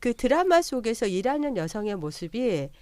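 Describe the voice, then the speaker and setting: A woman's voice: fairly high pitch, moderate pace, no room sound. Chatty woman hosting a podcast, voice jumps all over, dry close sound. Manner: animated, chatty, frequent backchannel hums. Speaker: podcast host. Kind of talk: casual panel discussion.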